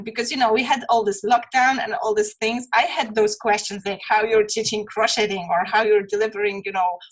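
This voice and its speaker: A woman's voice: on the high side, breathy edge, poor audio. A woman hosting an interview, talking in a friendly, rambling way with many fillers. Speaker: interview host. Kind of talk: casual interview chat.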